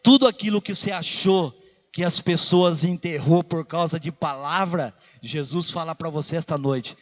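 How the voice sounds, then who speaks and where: A middle-aged man with a Brazilian Portuguese accent, preaching a sermon as pastor, emphatic and repetitive, swinging between loud and soft. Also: on the high side, normal speed. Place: church sanctuary. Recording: echoey church hall, dull lo-fi sound.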